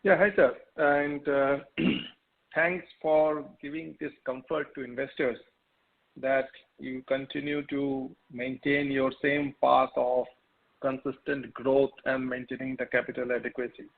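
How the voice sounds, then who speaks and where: A man's voice: medium pitch, level tone, unhurried, creaky. A man asking a wordy, repetitive question as an investor calling in by telephone. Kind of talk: question on an earnings call. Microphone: telephone call. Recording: tinny phone line.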